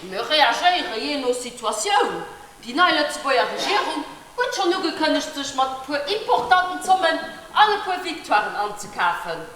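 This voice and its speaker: A woman's voice: sits high, very animated, moderate pace, a bit bright. Woman playing a smug political fixer. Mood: sly. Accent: Luxembourgish. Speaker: cabaret actor. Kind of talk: live stage cabaret sketch. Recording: echoey tent stage recording with hiss.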